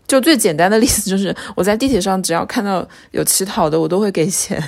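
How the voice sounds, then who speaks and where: A woman's voice: medium pitch, lively intonation, fast, gravelly, a little mellow. A woman in her thirties, co-hosting a casual podcast chat, reflective and thinking aloud with small restarts. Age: 30s. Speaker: podcast co-host.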